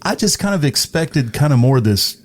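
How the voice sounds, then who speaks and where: A man's voice: a little high, very animated, normal speed. A middle-aged man talking casually as an interview guest, hesitant, thoughtful and good-natured. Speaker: interview guest, radio personality. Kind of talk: casual chat. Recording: clear background noise.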